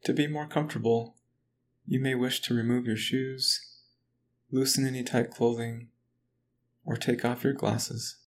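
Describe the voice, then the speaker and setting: Calm man with a flat, even voice. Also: mid-range voice, slight background noise. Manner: slow, calm, even instruction. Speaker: relaxation guide. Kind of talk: guided relaxation script.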